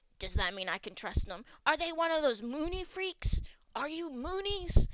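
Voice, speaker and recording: Putting on a character voice, a woman speaks at an extremely high pitch and a moderate pace. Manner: suspicious, accusing.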